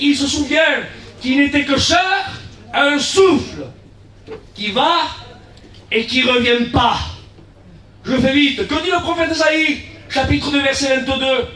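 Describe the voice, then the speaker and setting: Male pastor, very high pitch, heard from a distance in a roomy church, animated preacher. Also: takes it slowly. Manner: acts out dialogues, shouts key lines, drops to low asides. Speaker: guest pastor. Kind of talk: lively evangelistic sermon. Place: church hall. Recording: echoey church from far off.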